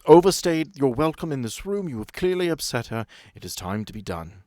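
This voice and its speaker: A man's voice: medium pitch, very animated, brisk, mellow, no echo, pitched above the performer's own voice, lightly acted. A man playing a stern, curt female head nurse of a sanatorium in a tabletop horror game, speaking with clipped authority. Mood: angry, commanding.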